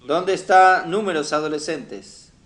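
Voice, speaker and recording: A man's voice: fairly high pitch, fairly even intonation, measured pace, fairly bright tone. The man you'd hear at a youth Bible meeting, spelling out scripture very unhurriedly and quizzing his listeners, his words echoing round the room. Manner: didactic, often posing questions to listeners. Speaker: preacher. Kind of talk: teaching sermon to teenagers. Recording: roomy, echoing sound.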